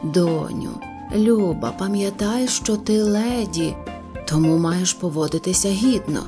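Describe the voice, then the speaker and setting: A woman's voice: lowish voice, over music, close to an everyday voice. A woman voicing a strict, dignified mother cat duchess in an audio storybook. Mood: stern. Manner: stern, measured, reproving. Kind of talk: storybook character voice.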